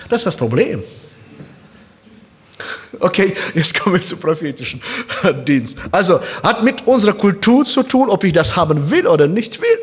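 A man's voice: high voice, slightly rough. A man born in Kazakhstan preaching a sermon in German with a noticeable foreign accent, addressing the congregation directly and acting out little scenes. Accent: Kazakh-born, speaking German with a noticeable foreign accent.

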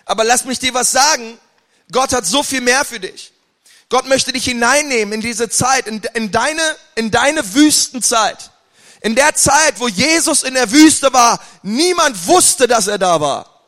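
A man preaching a sermon with passion, moving between loud outbursts and quiet, intense stretches. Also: very high-pitched, lively intonation, a little slow. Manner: impassioned, swings from loud to quiet. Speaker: pastor. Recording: long hall reverb.

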